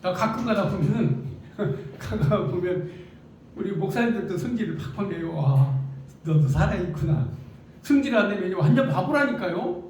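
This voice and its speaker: A man's voice: high-pitched, lively intonation, normal speed, slight background noise. A man preaching a sermon as pastor, emphatic and full of rhetorical questions. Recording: echoey room picked up from a distance.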